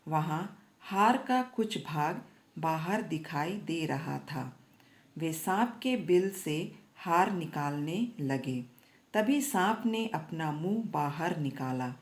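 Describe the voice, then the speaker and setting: Lady teacher doing a slow kids' reading lesson, says every word twice, kinda low voice. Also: lively intonation. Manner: patient, repeats words for children.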